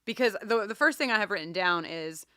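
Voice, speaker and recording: A woman co-hosting a podcast, chatting casually about a TV show in a wry, animated way and often interrupting herself. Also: medium pitch, brisk, clean tone, dry recording, clean studio sound. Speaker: podcast co-host.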